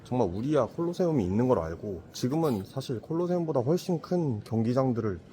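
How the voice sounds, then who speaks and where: A man's voice: mid-range voice, fast talker, slight background noise. A man hosting a Christian channel, chatting reflectively on a trip and sometimes acting out imagined villagers. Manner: reflective, acts out imagined villagers in lively voices. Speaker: Christian apologetics channel host. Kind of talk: casual travel conversation.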